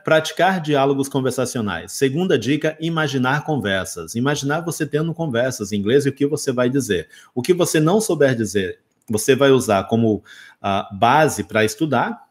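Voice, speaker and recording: A Brazilian man speaking Portuguese with a Brazilian accent, teaching English in a casual video lesson. He talks straight to the viewer and acts out quick examples. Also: medium pitch.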